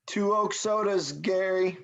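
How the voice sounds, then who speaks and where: A woman's voice: mid-range voice, takes it slowly, gravelly. Woman playing a casual middle-aged male slacker. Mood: laid-back. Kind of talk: virtual table read of a film script. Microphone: video call.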